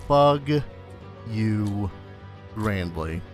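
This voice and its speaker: Low-voiced man doing game commentary. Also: lively intonation, drawn-out words. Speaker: let's play host. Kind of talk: casual game commentary, reading game text aloud. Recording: game music behind voice. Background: video game music.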